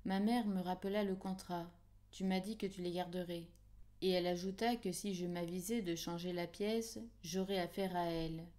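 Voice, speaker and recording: Mellow woman narrating an audiobook. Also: fairly low pitch. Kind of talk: scripted literary narration.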